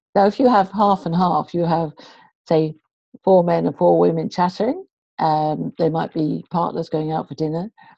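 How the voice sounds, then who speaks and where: A woman with a British accent, fairly low in pitch with a dark, mellow tone, ordinary pitch variation and a moderate pace. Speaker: consultant and conference speaker. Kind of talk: webinar presentation. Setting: video call.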